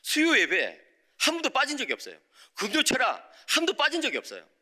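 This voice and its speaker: Animated high-voiced korean preacher. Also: male voice, quick pace. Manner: animated, acts out quoted voices, frequent "예?" to the congregation. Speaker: preacher, visiting professor. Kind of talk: sermon with personal story. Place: church sanctuary.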